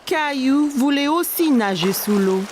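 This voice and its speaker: A woman narrating a cartoon for small children in a gentle, clear storytelling manner. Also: sits high, expressive, a little slow, noisy background.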